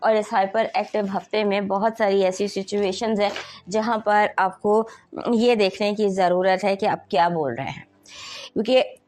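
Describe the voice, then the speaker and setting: A woman astrologer with a Pakistani Urdu accent, giving a weekly horoscope in a relaxed conversational way, slipping into English phrases and pausing to hesitate. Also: mid-range voice.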